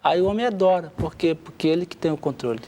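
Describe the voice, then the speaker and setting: Brief: Brazilian man, 50s, family counselor on a studio talk show; animated, plays out little scenes in different voices. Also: fairly high pitch, fast talker, slight background noise. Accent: Brazilian Portuguese. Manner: lively, acts out spouses' quotes.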